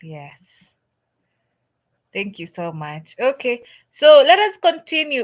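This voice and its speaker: A woman speaks in an East African accent on a very clean recording with a silent background. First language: Swahili. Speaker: language teacher. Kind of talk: live-stream language tutorial. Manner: slow, repetitive teaching delivery.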